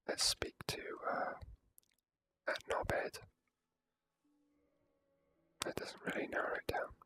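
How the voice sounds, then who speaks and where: A man whispering ASMR commentary as he plays a game, in a hesitant, self-deprecating way. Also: pushed and bright. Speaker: ASMR gamer.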